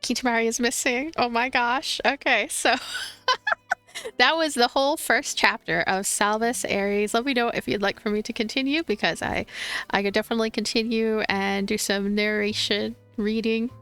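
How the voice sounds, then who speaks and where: A woman hosts a let's play of a visual novel, reading the story as narrator. Her voice is slightly high, with light music playing behind her. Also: steady tone, moderate pace, a bit bright, clean tone.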